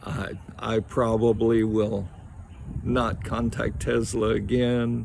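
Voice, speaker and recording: Through audible room echo, a man of medium pitch talks at a very slow pace with fairly even intonation. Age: 70s. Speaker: consumer vlogger. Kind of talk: personal complaint vlog. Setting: outdoors in backyard. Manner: halting, with repeated words.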